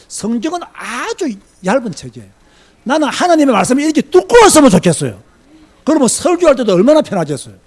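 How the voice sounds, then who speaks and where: A man pastor giving an emphatic sermon-style Bible lecture, firing rhetorical questions and repeating key points. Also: very high-pitched.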